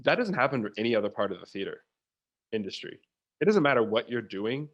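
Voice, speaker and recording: A man's voice: medium pitch, sing-song, fast talker, a bit bright, muffled recording. A man speaking as a theatre producer in a conversational interview, opinionated and emphatic, repeating phrases to stress his point.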